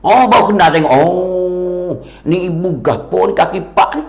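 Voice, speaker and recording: A man preaches in a sermon lecture, his voice fairly high and constantly swinging up and down for emphasis. He repeats phrases over and over as he teaches. The recording has a roomy echo around him. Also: unhurried, noisy background. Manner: animated, repetitive, rising and falling emphasis. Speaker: religious teacher.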